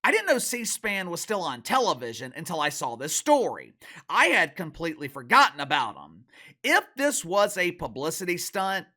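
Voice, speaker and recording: Lively, bright-voiced sarcastic man. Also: high voice, normal speed. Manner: sarcastic, mocking, emphatic. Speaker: online commentary host. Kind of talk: opinionated commentary to camera.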